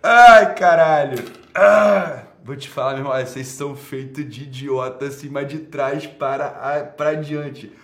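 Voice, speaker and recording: Brazilian man livestreamer, fairly high voice, crude and exasperated, in an echoey room. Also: measured pace, vocal fry. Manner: swears constantly, laughs loudly, exasperated and mocking. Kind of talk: profane rant and lecture on a live stream.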